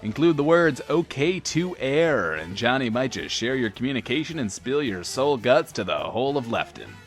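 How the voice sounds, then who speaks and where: A vain, smooth-talking radio show host from an audio drama. His florid patter swells and dips theatrically in a medium register, with faint music underneath. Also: mid-range voice, big pitch swings, moderate pace. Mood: self-promoting, showy.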